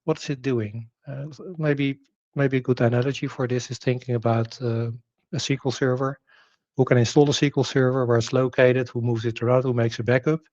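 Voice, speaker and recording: A man's voice: mid-range voice, no room sound. Dutch man explaining, dry dull sound. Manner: explanatory, frequent fillers and restarts, rhetorical questions. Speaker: presenter. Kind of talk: technical presentation.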